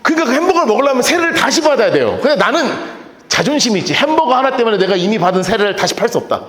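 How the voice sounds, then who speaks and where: Male pastor, high voice, call-and-response questions, joking, echoey church hall. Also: racing. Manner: asks the congregation frequent call-and-response questions; animated and joking. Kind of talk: Bible-study sermon. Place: church sanctuary.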